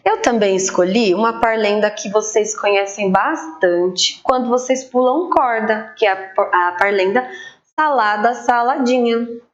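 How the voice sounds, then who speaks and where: A woman teacher giving an online literacy lesson to children, spelling words out slowly and clearly syllable by syllable. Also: on the high side, highs cut off.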